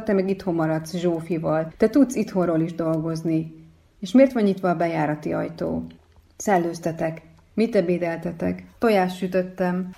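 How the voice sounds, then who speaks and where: A woman reading a first-person story aloud as narrator, in a calm, measured way. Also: on the low side, creaky.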